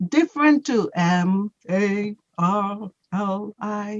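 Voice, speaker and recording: A woman speaks at a medium pitch in a sing-song way. Her pitch swings very widely. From Trinidad and Tobago. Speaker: ESL teacher. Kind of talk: online class lesson. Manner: sing-song intonation; slow, careful spelling.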